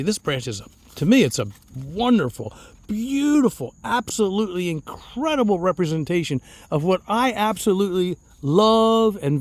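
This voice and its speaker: A man's voice: sits high, a little mellow, no room sound. Chuckling man rambling about his fig trees. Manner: chuckling, rambling, repeats words. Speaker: fig grower and channel host. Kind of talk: casual storytelling vlog.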